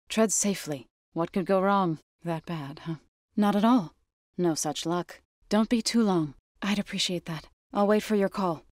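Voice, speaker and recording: A woman's voice: medium pitch, darkish tone, no echo, close to an everyday voice. Actress as game heroine: tribal woman warrior-healer, earnest, resolute, formally spoken, dry studio-clean sound. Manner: measured, formal, earnest phrasing. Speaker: video game voice actor. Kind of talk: game character voice lines.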